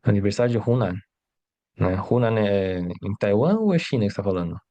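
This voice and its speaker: A man's voice: on the low side, lively intonation, fairly quick, warm tone. A man teaching in a casual live stream, chatty and reassuring, who keeps checking in with his viewers and answers their questions as he goes. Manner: chatty, asks "né?" and "tá?" constantly. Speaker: Mandarin teacher.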